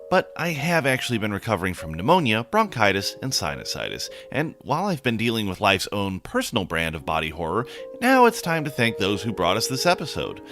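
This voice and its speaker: A man's voice: on the low side, a bit bright. A man speaking as podcast host, giving a scripted outro directly to his listeners.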